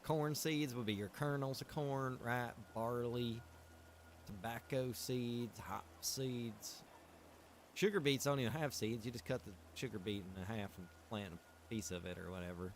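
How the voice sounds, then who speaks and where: A man streaming a survival game, talking casually and thinking out loud with the odd chuckle as he plays. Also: medium pitch, measured pace, slight background noise. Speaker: streamer and game server developer. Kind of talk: live-stream gameplay commentary.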